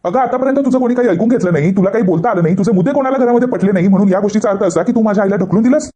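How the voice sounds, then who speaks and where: A man voicing an angry young husband who shouts accusations to defend his mother. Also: high-pitched, rapid-fire, close to an everyday voice.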